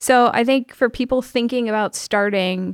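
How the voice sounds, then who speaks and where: In an ordinary speaking voice, a woman talks at a moderate pace with fairly even intonation. The recording is very clean with a silent background, and the sound is dry and close with no echo. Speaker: co-host of a workplace podcast, people VP. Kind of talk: casual chat. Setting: studio, in person.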